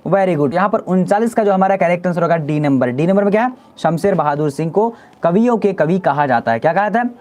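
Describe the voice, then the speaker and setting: Male teacher, high voice, brisk quiz-style live class that repeats every answer. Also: expressive, a little mellow. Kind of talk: live online exam-prep class.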